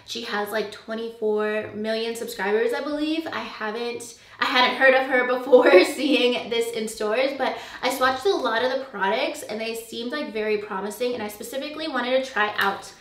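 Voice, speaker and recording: A young American beauty vlogger chats to camera at normal speed with hardly any pauses, scattering "um" and "like" throughout. Her voice is fairly high. The recording is made in an echoey room with a distant mic, her voice slightly off-mic.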